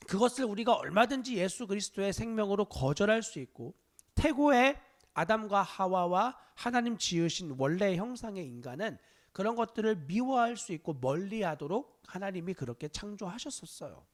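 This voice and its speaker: A male pastor preaching a Wednesday service sermon to his congregation, stressing points loudly, dropping to hushed asides, and asking rhetorical questions. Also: sits high. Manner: emphatic preaching, swinging between loud stress and hushed asides. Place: church sanctuary.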